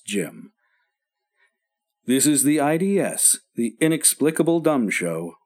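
A man hosting a podcast, giving a scripted closing announcement with slow, expressive delivery. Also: medium pitch. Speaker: podcast host.

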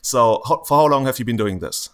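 A man's voice: mid-range voice, expressive, fairly quick. A man hosting a podcast, chatting casually in a friendly way, often laughing and stumbling over his words. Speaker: podcast host. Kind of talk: casual interview chat.

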